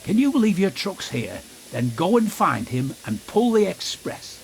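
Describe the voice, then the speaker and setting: Guy doing a brisk station master in a kids train game, lively, hissy audio. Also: sits high, creaky, pitched above the performer's own voice, heavily acted, low-quality recording. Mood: businesslike. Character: brisk male railway station master giving orders.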